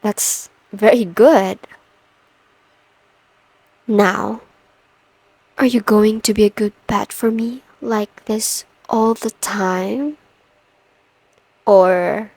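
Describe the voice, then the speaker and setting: A woman playing a confident, teasing, dominant boss in an intimate ASMR roleplay, with a commanding, coaxing manner and deliberate pauses. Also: medium pitch, a little mellow, breathy edge, no echo, poor audio. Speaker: audio roleplay performer.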